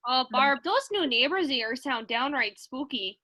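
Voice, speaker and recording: A woman's voice: sits high, expressive, normal speed, pushed and bright, exaggerated voice. A woman playing a sweet, unflappable Midwestern housewife with a folksy Minnesotan accent in a comedy sketch reading. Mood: sweet, chummy.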